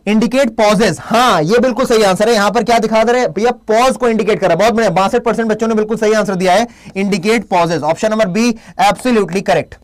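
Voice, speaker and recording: A man's voice: sits high, fast, few pauses. A young man with a Hindi accent teaching a live online English class, playful and scolding his chat commenters. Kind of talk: live class with quiz questions.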